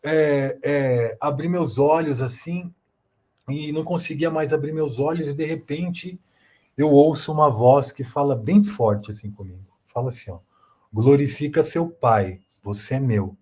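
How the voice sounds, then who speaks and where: A man with a Brazilian Portuguese accent, his voice a little husky and pitched a bit high, tells a personal testimony in conversation. He rambles, circles back on his words and leans on small fillers as he goes. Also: unhurried, a little mellow. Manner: rambling, repeats words, many fillers like "assim". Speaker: guest.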